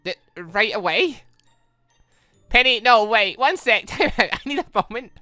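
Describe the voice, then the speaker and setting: A woman voicing a flustered, exhausted teenage girl in a dating game, halting, breathless and whiny. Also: a little high, expressive, sharp tone, no echo, studio quality, soft background music, pitched above the performer's own voice. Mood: flustered, worn out.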